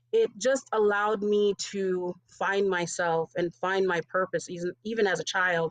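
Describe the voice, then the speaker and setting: Speaking with hardly any pauses, a woman with a normal speaking voice keeps a medium pitch, fairly even intonation and a fairly slow pace. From Jamaica, then New York. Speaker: visual effects compositor. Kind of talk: interview.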